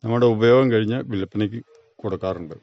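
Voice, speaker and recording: A man's voice: on the low side, fast, dry recording. A man, giving plain, brief, factual answers in an interview as a retired farmer. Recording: dull, muffled radio recording.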